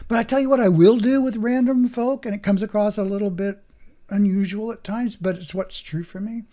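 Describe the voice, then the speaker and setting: A man's voice: high-pitched, dark tone. A man hosting a solo podcast, talking earnestly about mindfulness and coaching listeners as he acts out both sides of conversations. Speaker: podcast host.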